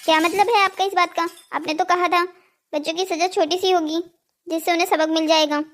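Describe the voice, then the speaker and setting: An anxious cartoon mother acted by a woman, pleading with and reproaching her husband. Her female voice is extremely high. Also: steady tone, a little fast, fairly bright tone. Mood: worried, reproachful. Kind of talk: scripted cartoon story dialogue.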